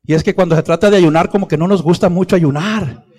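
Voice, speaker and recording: High-voiced impassioned preacher in a hall. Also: male voice, fast talker, a little mellow. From Mexico. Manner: impassioned, repeatedly addresses "hermano". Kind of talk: sermon testimony.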